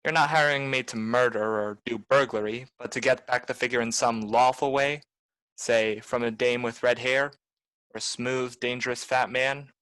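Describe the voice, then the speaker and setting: Radio play private eye, male actor: cynical wisecracker, nonchalant tough talk, mid-pitched, dry sound. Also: fairly even intonation, moderate pace, fairly bright tone, smooth, no room sound, close to an everyday voice, low-quality recording. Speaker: actor, lead and narrator. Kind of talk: film noir radio play acting.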